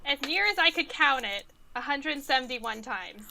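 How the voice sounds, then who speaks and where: A woman's voice: sits high, animated, normal speed, heavy background noise. A woman reading out quiz questions and answers and explaining them in a casual way. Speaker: quiz reader, podcast crew member. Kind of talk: casual trivia hosting and explanation.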